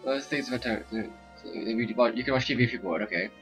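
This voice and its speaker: A man's voice: medium pitch, a little fast, fairly bright tone, natural voice. A man voicing a cheerful, hospitable teenage schoolgirl as he reads video game dialogue aloud. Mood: friendly, inviting. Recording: dull lo-fi mic with game music.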